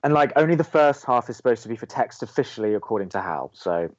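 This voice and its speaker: A man playing a sarcastic, reluctant young college radio co-host with an American accent and a deadpan manner, in audio drama banter. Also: medium pitch, quick pace, muffled recording, close to an everyday voice. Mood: exasperated. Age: young adult.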